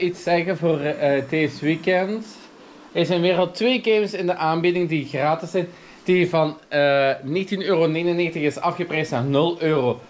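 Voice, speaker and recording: A man in his thirties with a Flemish accent, chatting casually to his vlog camera in halting phrases. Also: fairly high pitch. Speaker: vlogger. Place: indoors at home, rooms and bathroom. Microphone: camera at arm's length or a few steps.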